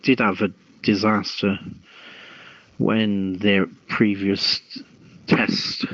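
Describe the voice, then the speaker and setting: Slow, low-voiced man, muffled audio. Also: fairly bright tone, dry recording. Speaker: host of an online radio channel show. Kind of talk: reading news aloud, then informal hosting chat.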